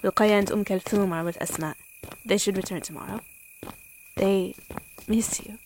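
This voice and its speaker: A man voicing a gentle, devoted wife who speaks softly and earnestly. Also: high voice, fairly even intonation, normal speed, a little hiss or hum, pitched above the performer's own voice, rough recording. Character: gentle devoted wife, young adult woman.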